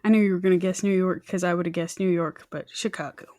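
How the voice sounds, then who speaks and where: A woman's voice: lowish voice, steady tone, fast talker, dark tone, no room sound. Informal woman telling true crime, close and dry. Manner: informal, wry, joking asides. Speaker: podcast co-host presenting the case. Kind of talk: chatty true crime storytelling.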